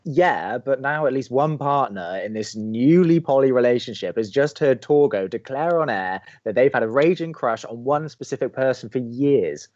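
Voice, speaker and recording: Man acting a cynical, deadpan college radio co-host. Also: mid-range voice, moderate pace, few pauses, dull audio, close to an everyday voice. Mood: dry, sardonic. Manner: sardonic, deadpan, exasperated. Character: cynical, grumpy young male college radio advice co-host. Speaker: actor in a romantic comedy podcast. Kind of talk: audio drama acting as dry radio banter.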